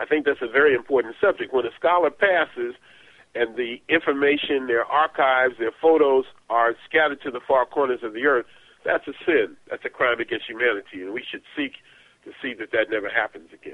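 A man talks in a normal speaking voice at a medium pitch and fairly quick pace. His loudness swings widely, and his pitch varies in an ordinary way. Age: 60s. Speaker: historian and lecturer. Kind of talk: interview on call-in radio.

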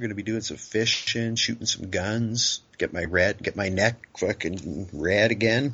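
A man with an ordinary speaking voice, fairly low in pitch, with ordinary pitch variation, at a moderate pace with hardly any pauses. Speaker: podcast co-host. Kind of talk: casual chat. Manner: crude, joking, profane.

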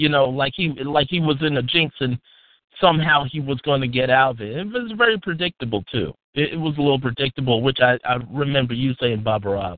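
A man with a plain, everyday voice, fairly quick in pace and lively in intonation. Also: medium pitch for a man. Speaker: podcast panelist. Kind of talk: casual chat.

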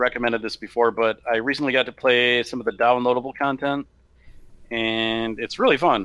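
This man has a normal speaking voice at a medium pitch. He talks at a fairly quick pace, with big swings in loudness. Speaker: podcast co-host. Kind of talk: casual banter, recapping plot.

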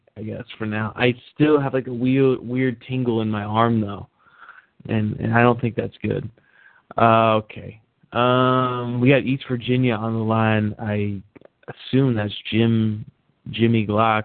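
A man at a fairly slow pace, medium in pitch, with monotone, flat intonation and long, frequent pauses. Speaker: online rap battle show host. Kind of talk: casual chat. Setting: online call-in show. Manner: hesitant, many fillers.

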